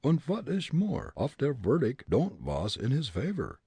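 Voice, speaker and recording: Man doing a German-accented comic detective, husky, lively pitch. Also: a little slow, no echo, heavily acted. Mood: scheming. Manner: broken English, muttering. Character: comic German immigrant male detective, scheming.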